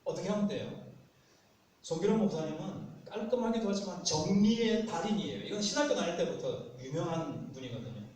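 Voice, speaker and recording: Male pastor, folksy sermon storytelling, slightly high voice, big echoey church, voice from a distance. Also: expressive, a little fast, a little mellow, a little hiss or hum. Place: church sanctuary.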